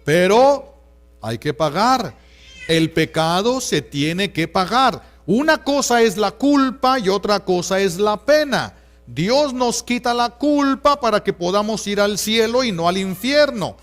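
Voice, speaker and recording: A Catholic priest with a Mexican Spanish accent preaching a sermon in an earnest, pastoral way, repeating key phrases for emphasis. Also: male voice, high-pitched, animated, a little slow, a bit bright, faint music behind.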